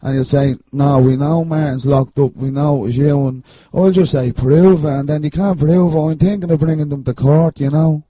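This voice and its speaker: A man's voice: on the high side, fairly even intonation, moderate pace, hardly any pauses, mellow, close to an everyday voice. A man playing a shifty, aggrieved Irish petty criminal in a comic interview, rambling and evasive in slangy speech. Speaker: comic character guest on a wrestling podcast.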